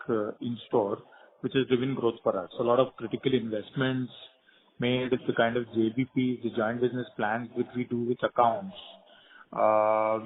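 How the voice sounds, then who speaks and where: Indian male executive on a tinny phone line. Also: mid-range voice. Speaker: company division head. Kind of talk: explanatory business answer on a conference call.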